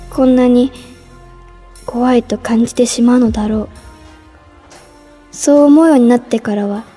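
An actress voicing a timid junior-high schoolgirl, narrating her thoughts softly in a radio drama. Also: slightly rough. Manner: soft inner-monologue narration, hushed at times.

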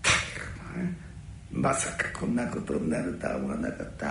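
A man playing a gruff but caring older nori wholesaler who speaks in rough downtown slang. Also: high-pitched, fairly bright tone, a little hiss or hum. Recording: very echoey room.

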